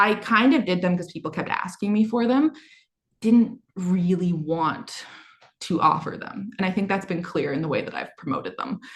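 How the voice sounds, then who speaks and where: A woman's somewhat breathy voice with a Toronto accent, medium in pitch, with lively intonation at a moderate pace. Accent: Toronto, drops T sounds. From Canada, Toronto. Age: 30s. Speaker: business coach. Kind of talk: live workshop.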